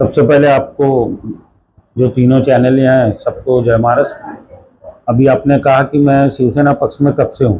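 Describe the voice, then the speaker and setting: With very even loudness, a man speaks at a fairly high pitch in a somewhat breathy, dark, mellow tone. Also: fairly even intonation. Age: 60s. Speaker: local politician and social worker. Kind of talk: news interview. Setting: press interview with several channels.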